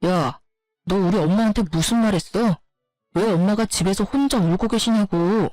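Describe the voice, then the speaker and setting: A woman's voice: mid-range voice, normal speed, a little mellow, dry recording, faint music behind, lightly acted. A woman voicing an annoyed, defensive husband who snaps back on the phone. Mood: irritated. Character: irritable, tired husband in his thirties.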